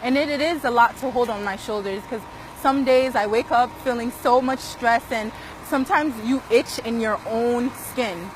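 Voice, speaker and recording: A young woman from Togo speaks haltingly and repeats words as she searches for them. Her voice is fairly high. A faint noise runs behind her. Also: poor audio. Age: young adult. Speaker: university student interviewee.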